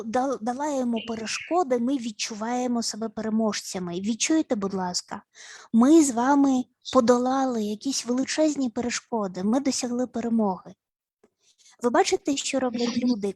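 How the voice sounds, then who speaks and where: A woman psychologist leading grounding exercises in an online session, speaking in a slow, instructive way with repeated words and playful sounds. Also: a little high, warm tone, dry recording. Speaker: family and child psychologist. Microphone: video call.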